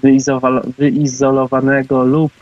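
A man's voice: mid-range voice, monotone, unhurried, darkish tone, no echo. Muffled, dry-sounding male radio guest. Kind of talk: informal explanatory interview talk. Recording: dull, dry call audio.

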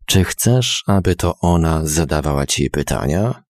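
A man's voice: a bass voice, lively intonation, measured pace, no echo, clean studio sound, exaggerated voice. A man voicing a menacing male interrogator pressing with threats in a storybook reading.

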